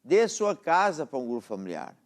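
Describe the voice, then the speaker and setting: A man's voice: on the high side, sing-song, brisk. A middle-aged man with a European Portuguese accent, preaching a sermon and exhorting his listeners, then praying over them. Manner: exhorting, asks "está a ver?" often. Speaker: apostle preaching. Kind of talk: sermon with closing prayer.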